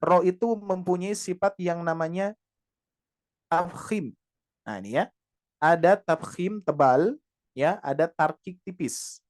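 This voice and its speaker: A man teaching Quran pronunciation to a class of women, patiently modeling each sound slowly and repeating it. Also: high-pitched. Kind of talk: tajweed lesson to women.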